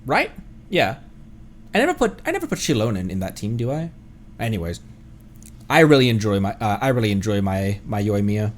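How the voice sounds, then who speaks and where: A man's voice: lowish voice, big pitch swings, a little fast, pauses often, slight background noise. A man who streams games as a VTuber, chatting casually and rambling as he thinks aloud. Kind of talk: casual livestream chat while gaming.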